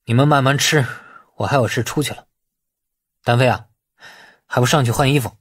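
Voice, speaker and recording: A man's voice: mid-range voice, brisk, slightly rough, no echo, studio quality, lightly acted. A man voicing a self-assured younger businessman, curt and businesslike, in an audiobook. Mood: cool, curt. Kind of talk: audiobook character dialogue.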